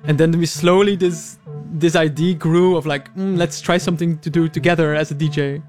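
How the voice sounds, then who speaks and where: A man's voice: a little high, steady tone, brisk. A man, a guest DJ, talking thoughtfully and restarting his sentences. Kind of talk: casual interview chat. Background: loud music.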